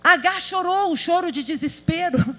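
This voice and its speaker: High-voiced woman pastor preaching in a hall. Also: moderate pace, sharp tone. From Brazil. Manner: emphatic, rhetorical questions to the audience. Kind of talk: sermon. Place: large convention hall. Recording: hall reverb with mains hum.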